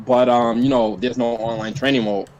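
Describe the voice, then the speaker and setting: A man coaching a fighting-game player in a casual online session, talking in a relaxed way with lots of fillers while chewing mints. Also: medium pitch, normal speed, highs cut off. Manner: relaxed, filler-heavy talk.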